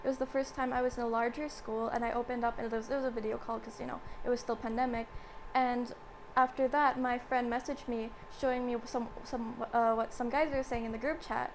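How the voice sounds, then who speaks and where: A woman's voice: on the high side, little pitch movement, fairly quick, a little hiss or hum, rough recording. A young woman hosting a casual chat, talking freely and filling her sentences with "like". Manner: chatty, fills with "like". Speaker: host.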